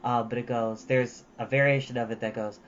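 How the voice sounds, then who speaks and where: A man's voice: mid-range voice, steady tone, a little fast, dull audio, a little hiss or hum. A man hosting a storytime channel, speaking casually in an earnest, reflective and encouraging way. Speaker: host of a storytime reading channel. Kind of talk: casual chat and expressive book reading.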